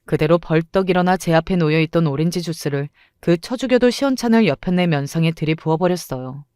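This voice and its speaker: A woman's voice: lowish voice, fast talker, darkish tone, clear, resonant tone, no room sound, clean studio sound. A woman narrating a first-person radio story in a bitter, vivid way.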